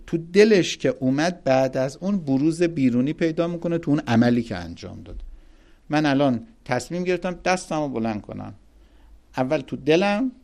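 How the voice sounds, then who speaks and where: Animated, gravelly-voiced male religious lecturer. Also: fairly high pitch. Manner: animated, emphatic, rises sharply on key points; recites Arabic quotations.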